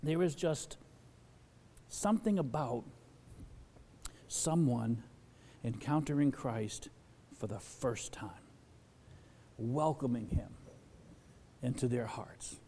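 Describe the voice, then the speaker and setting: A man preaching from the pulpit with a lively, swooping delivery, and his voice rings out in a long hall echo. His tone is mellow and warm, and he slips into the voices of the people he quotes. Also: mid-range voice, takes it slowly, pauses often, a little hiss or hum. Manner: animated, acts out quoted voices. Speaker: pastor. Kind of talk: sermon.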